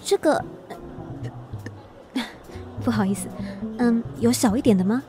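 A woman's voice: a little high, measured pace, dark tone, faint music behind, close to an everyday voice. An actress with a Taiwanese accent playing a weary, independent young woman in a radio drama, musing to herself. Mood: polite, curious. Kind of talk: radio drama acting, inner monologue.

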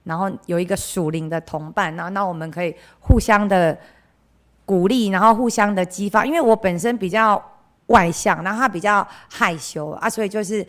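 A woman's voice: mid-range voice, brisk. A young woman from central Taiwan with a Taiwanese Mandarin accent gives a candid, chatty personal testimony at church. She often trails off with filler phrases and acts out the voices of people she quotes. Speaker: church member giving a testimony.

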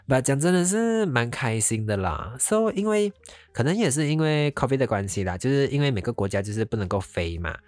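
A young man from Malaysia, casually telling a personal story as host, animated and sprinkling in English words. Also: medium pitch, dry recording. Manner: animated, mixes English words into Mandarin, drawn-out exclamations.

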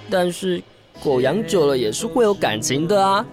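A man's voice: sits high, very animated, normal speed, music in the background. An actor with a Taiwanese accent playing a drunk, heartbroken, brash gay man in a radio drama, rambling and slurring. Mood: drunk, bitter. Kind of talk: Mandarin radio drama acting.

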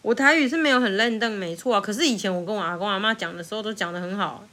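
A woman's voice: medium pitch, rapid-fire. A young woman with a Taiwanese Mandarin accent, chatting casually and telling stories with frequent laughter. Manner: animated storyteller who laughs often. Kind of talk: casual chat.

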